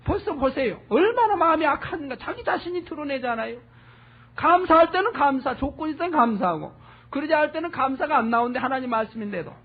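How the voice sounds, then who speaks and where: A man's voice: very high-pitched, expressive, fast. A man preaching an expository sermon, earnestly asking his congregation rhetorical questions. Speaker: pastor. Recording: tinny phone-like lo-fi audio.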